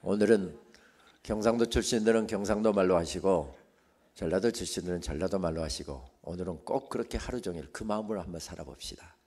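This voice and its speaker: A man preaching as a guest pastor at a church revival meeting, moving between hushed, near-whispered phrases and loud, rising climaxes. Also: deep voice, fairly quick, breathy edge. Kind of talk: sermon. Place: church sanctuary.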